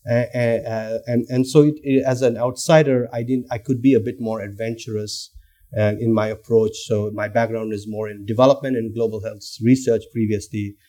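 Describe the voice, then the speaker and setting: This Nepali man, a researcher and guest lecturer in his thirties, has a warm, medium-pitched voice with flat delivery at a moderate pace. His academic conversation is considered, with lots of fillers and restarts.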